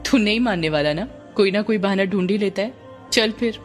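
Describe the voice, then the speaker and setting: A woman's voice: mid-range voice, moderate pace, faint music behind, natural voice. A woman voicing a hesitant young man who answers his friends reluctantly.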